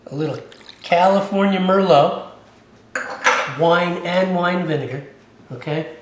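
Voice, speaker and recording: A man's voice: high voice, measured pace, roomy sound, a little hiss or hum. A middle-aged man hosting a casual home cooking demonstration in his kitchen, talking chattily and tagging many of his sentences with "okay?". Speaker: cooking show host.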